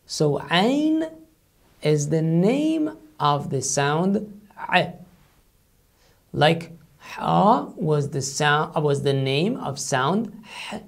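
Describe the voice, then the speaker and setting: A man with a high-sitting, gravelly voice gives a patient, explanatory online language lesson that was recorded. He demonstrates every sound by slowly saying it several times.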